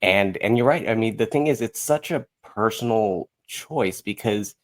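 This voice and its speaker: With a fairly low, lively voice at a normal pace, this podcast guest, a musical writer in his thirties, keeps the chat casual. His talk wanders, and he frequently performs snippets of conversation, quoting himself and other people.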